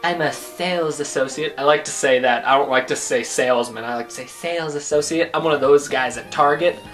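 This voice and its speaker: In his own casual Q&A vlog, a man in his twenties jokes and rambles while answering personal questions. His fairly high, fairly bright voice moves briskly, with music faint in the background.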